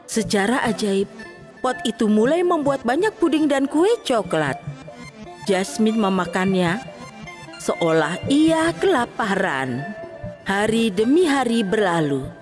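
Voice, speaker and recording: A woman's voice: fairly high pitch, very animated, slow pace, faint music behind. A woman narrating a scripted children's fairy tale as the storyteller.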